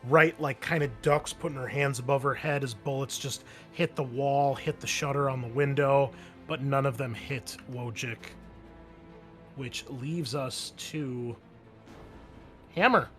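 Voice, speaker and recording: A man's voice: medium pitch, a little slow, fairly bright tone. A man acts as game master in a casual tabletop roleplaying session. He describes the action and talks players through the rules in a mid-range voice, with music playing behind him.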